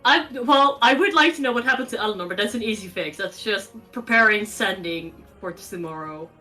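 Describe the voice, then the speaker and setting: A woman's voice: medium pitch, brisk, pushed and bright, faint music behind, poor audio. A woman playing a tabletop game, chatting casually on an online call and rambling, often breaking off and restarting her thoughts. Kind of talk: casual out-of-game chat on a stream.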